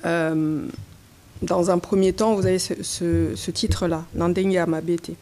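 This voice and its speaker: A woman's voice: on the low side, steady tone, a little slow, dark tone. A woman journalist, a Swahili speaker, putting a question at a press conference and often searching for her words.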